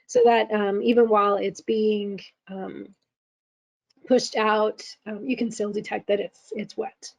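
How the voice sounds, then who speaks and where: A woman presenting a software demo in a webinar, halting with many ums, her voice going hoarse as she keeps clearing her throat. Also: mid-range voice, steady tone, dry recording. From California. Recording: dull, lo-fi webinar audio.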